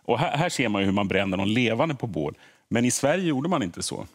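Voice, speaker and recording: On a TV morning show set, a middle-aged man who hosts a history podcast speaks in a sing-song, mid-range voice. He explains earnestly in the interview, frequently repeating words while gathering his thoughts.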